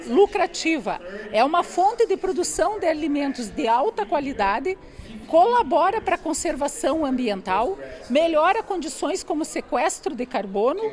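A woman's voice: high voice, a little mellow. A woman in her forties with a Brazilian accent explaining as an interviewed professor into a handheld microphone. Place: indoor event hall. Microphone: handheld reporter microphone. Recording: crowd murmur in event hall.

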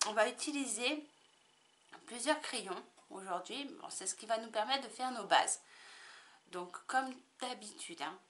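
A woman's voice: fairly high pitch, measured pace, a bit bright. Chatty woman rambling through a makeup tutorial. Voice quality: chatty, rambling, lots of fillers and restarts. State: tickly throat. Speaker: makeup vlogger. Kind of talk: casual makeup tutorial chat.

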